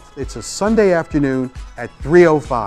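With faint music in the background, a man with an American accent speaks at a fairly slow pace in a fairly high pitch, with an upbeat tone and lively intonation. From United States. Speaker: wrestling ring announcer. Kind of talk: event promo to fans. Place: studio.

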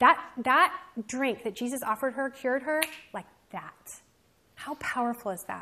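With long, frequent pauses, a woman uses a raised, projected voice that is high-pitched, bright and sharp, with lively intonation and big swings in loudness. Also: moderate pace. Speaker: Bible study teacher. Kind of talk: Bible study lecture.

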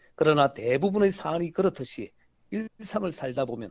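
A man is speaking. His pitch swings very widely. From South Korea, South Gyeongsang (Changwon). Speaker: provincial council member. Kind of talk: phone interview. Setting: phone call. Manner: formal.

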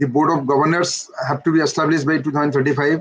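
With an Indian accent, a man speaks at a moderate pace in a fairly high pitch. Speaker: agricultural education official. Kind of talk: keynote address. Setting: video call. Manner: hesitant, many fillers. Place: office. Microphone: video call.

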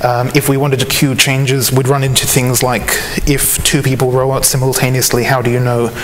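A man at a moderate pace, monotone and flat in intonation, over light background noise. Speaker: conference presenter. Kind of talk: technical talk. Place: hall. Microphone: lapel.

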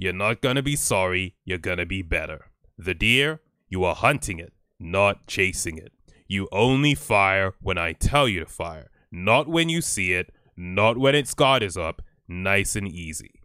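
A man's gruff, stern put-on character voice, fairly low in pitch, with lively intonation at a moderate pace, on a very clean recording with a silent background. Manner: gruff, stern, commanding.

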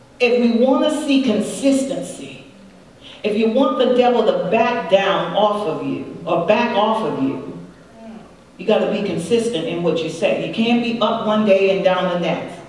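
A woman speaks at a moderate pace with ordinary pitch variation. Strong room echo surrounds her voice. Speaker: preacher. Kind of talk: sermon. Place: church.

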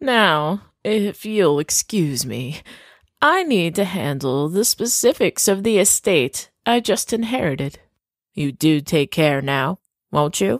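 In a very clean recording with a silent background, a put-on character voice comes through at middle pitch and a fairly slow pace. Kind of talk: 1920s noir audio drama. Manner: genteel, coolly menacing.

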